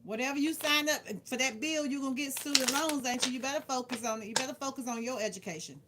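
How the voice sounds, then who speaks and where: This livestream host reads tarot cards casually, her voice sitting high and moving quickly. She hands out blunt, playful advice and repeats phrases to drive points home, over a clearly noisy background full of clicks.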